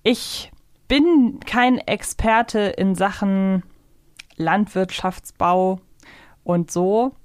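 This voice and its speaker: A woman's voice: mid-range voice, extremely slow, clean tone, no echo, clean studio sound. A woman co-hosting a podcast in casual conversation. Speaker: podcast co-host. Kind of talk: casual fan discussion podcast.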